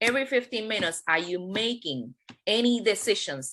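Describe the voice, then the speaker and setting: A woman with a Spanish accent speaks at a moderate pace, her bright, sharp tone paired with lively intonation. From Puerto Rico. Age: 40s. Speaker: life insurance agent and trainer. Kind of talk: training presentation.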